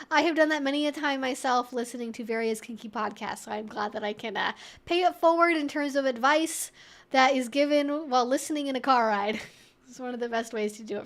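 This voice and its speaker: A woman hosting a live Q&A stream, thinking aloud in an informal, chatty, wry and opinionated way. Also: high-pitched.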